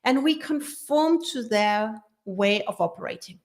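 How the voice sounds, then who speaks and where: Slow-speaking woman. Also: on the high side, expressive. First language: Danish. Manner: earnest, repeats and restarts phrases. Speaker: business coach. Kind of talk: live workshop talk.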